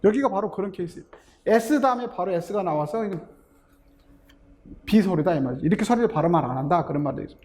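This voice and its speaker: Recorded with a long hall reverb, a male English linguistics instructor gives an exam-prep lecture in a high, animated, darkish voice, talking fast but pausing often. He breaks down linguistics for a teaching exam one step at a time, raising rhetorical questions and introducing terms.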